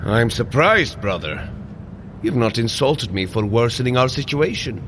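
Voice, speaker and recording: A man's voice: mid-range voice, lively intonation, measured pace, a bit bright, a little hiss or hum. A man playing a proud warrior thunder god in an audio drama, with formal, archaic phrasing and a dryly teasing manner. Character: gruff, proud god of thunder, adult warrior, wryly exasperated.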